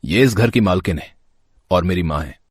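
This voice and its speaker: A man's voice: sits low, lively intonation, normal speed, slightly rough, no echo, studio quality. A man voicing a loyal, reproachful grown son. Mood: firm. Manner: firm, reproachful. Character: grown son, fiercely loyal to his mother. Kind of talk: storybook voice acting.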